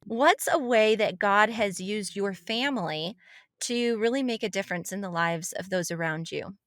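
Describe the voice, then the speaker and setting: A young adult woman hosting a children's show, gently interviewing a child and repeating answers back encouragingly. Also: mid-range voice, normal speed, no echo, studio quality. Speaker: children's program host and interviewer.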